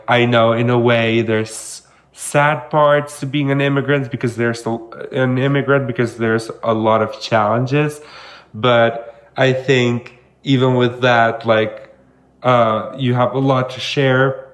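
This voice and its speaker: Young man from Kosovo, mid-pitched, friendly rambling podcast talk. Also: fairly even intonation, slow. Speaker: podcast co-host. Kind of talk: casual chat.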